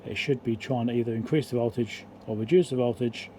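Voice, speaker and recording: A man's voice: mid-range voice, fairly even intonation, brisk, warm tone, a little hiss or hum. A man giving a casual technical explanation as a repair video host, rambling and matter-of-fact as he thinks aloud.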